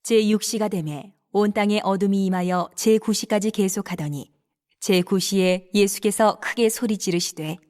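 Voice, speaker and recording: A woman narrating scripture from a script in a measured, clearly enunciated reading style. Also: mid-range voice, steady tone, a little mellow.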